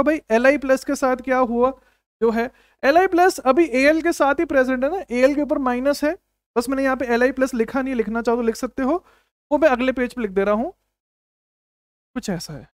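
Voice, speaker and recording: High-voiced energetic male chemistry tutor. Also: clear, resonant tone, no room sound, clean studio sound. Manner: energetic, keeps asking the class rhetorical questions; repeats short commands like "don't write, understand". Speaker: chemistry teacher. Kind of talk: exam-coaching lecture.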